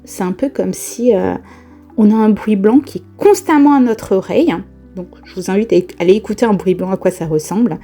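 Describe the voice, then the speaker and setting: A woman vlogger telling a personal spiritual experience in a casual, lively way, often laughing and exclaiming. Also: medium pitch, fairly quick, faint music behind. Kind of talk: casual first-person storytelling.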